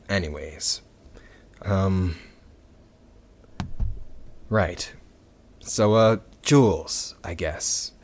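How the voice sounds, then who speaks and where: A man acting as a sardonic, nervy underground rebel telling his story in an audio drama. He takes his time, and his pitch moves up and down freely. The delivery is casual, sweary and wry. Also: heavily acted. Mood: uneasy, resigned. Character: nervous, sardonic young underground rebel man recording testimony.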